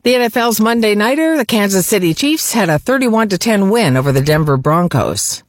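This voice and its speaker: A woman reading a local radio newscast in a crisp, practiced way. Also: mid-range voice, fairly quick, no echo, studio quality. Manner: crisp, lively newsreader delivery. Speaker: local radio news anchor. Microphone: studio microphone.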